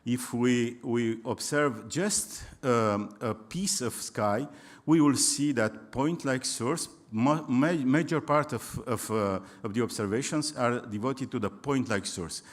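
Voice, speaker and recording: A man with a Romanian accent, a native Romanian speaker, giving a public astronomy lecture in English, pausing often and restarting as he searches for words. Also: mid-range voice.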